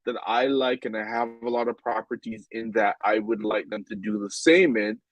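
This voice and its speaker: A man's voice: fairly low pitch, moderate pace, no room sound, poor audio. A man with a stuffed-up, nasal voice giving casual game commentary in a rambling way, with many ums and restarts. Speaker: game vlogger.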